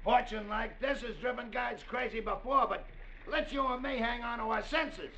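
A jittery, pleading high-voiced crewman. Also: normal speed, sharp tone, highs cut off, full character voice. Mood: wheedling. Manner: pleading, nervous, high-strung. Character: frightened, pleading crewman caught in a mutiny. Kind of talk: 1940s radio drama acting.

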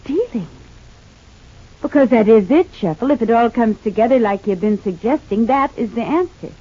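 A worried older country mother speaks softly and haltingly in a 1940s radio play. Her voice sits a little high. It comes through a dull, muffled old radio transcription. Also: animated. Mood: grave. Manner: soft, hesitant, worried. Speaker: radio soap opera character.

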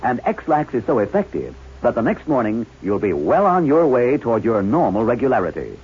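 A man's voice: mid-range voice, very animated, a little fast, breathy edge. A man working as a radio announcer, reading in a chipper, reassuring 1950s advertising style. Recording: muffled, hissy old radio broadcast.

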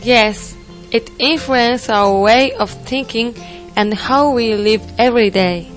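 A woman's voice: a little high, slow. A young woman playing a strict, earnest Saudi Muslim panelist in a scripted student stage play, over music. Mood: earnest, firm. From Japan. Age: young adult. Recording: music behind the voice.

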